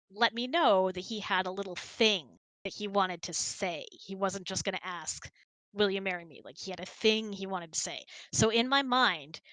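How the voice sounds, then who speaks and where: A woman telling personal stories in a casual, expressive way, giggling easily as she hosts a hangout. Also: mid-range voice, dry recording, low-quality recording. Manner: giggly, expressive, animated storyteller. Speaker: host of an audio hangout. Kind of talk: casual storytelling chat.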